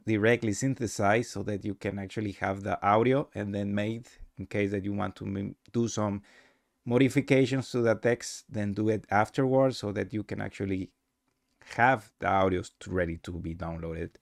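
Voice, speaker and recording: Low-voiced man, halting tutorial narrator. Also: fairly even intonation, gravelly, no room sound, clean studio sound. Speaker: host demonstrating his software. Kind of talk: casual software tutorial narration.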